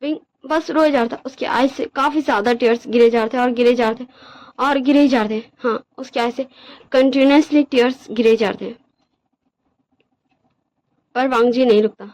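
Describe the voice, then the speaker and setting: A woman's voice: fairly high pitch, steady tone, normal speed, long pauses, a little mellow. A woman casually narrating her own fan fiction story, chatty and checking in with her listeners.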